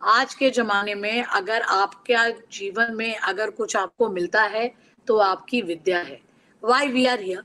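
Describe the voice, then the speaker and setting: A woman's voice: mid-range voice, fairly even intonation, slow pace, bright, forceful tone, rough recording. A middle-aged woman author from Bihar answering interview questions earnestly and reflectively, with personal stories. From Bihar, India. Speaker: guest author.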